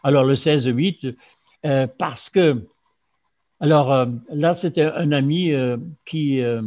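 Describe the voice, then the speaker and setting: A man from Germany whose first language is German speaks in a mid-range voice. He gives a loose, informal talk full of pauses, fillers and restarts. The recording is dull and lo-fi. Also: mid-range voice, a little mellow. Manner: halting, many fillers and restarts. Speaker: speaker on fasting. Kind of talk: informal lecture to an audience. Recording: dull lo-fi sound.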